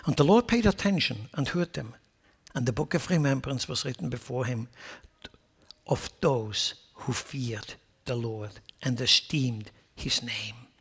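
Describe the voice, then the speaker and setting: A man's voice: mid-range voice, a little slow, breathy edge. A man preaching a sermon as a pastor, impassioned and repeating words as he builds emphasis.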